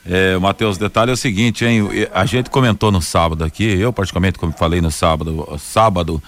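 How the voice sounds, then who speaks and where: A man's voice: sits low, fairly quick. A Brazilian man, a sports commentator, chatting casually on air.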